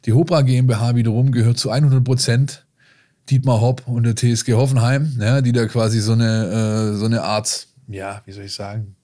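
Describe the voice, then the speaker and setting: Male football podcast co-host, medium pitch, casual and colloquial, explanatory delivery. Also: steady tone, brisk, dark tone. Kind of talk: casual football talk and analysis.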